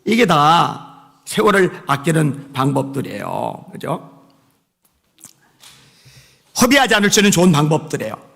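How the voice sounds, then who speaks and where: A man with a high, gravelly voice preaching a sermon. He moves from shouted exhortations to quiet asides and leads the congregation in repeating phrases after him. The sound carries the long reverb of a church hall. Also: very animated, unhurried, long pauses. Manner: leads the congregation in call-and-response repetition. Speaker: pastor. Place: church sanctuary.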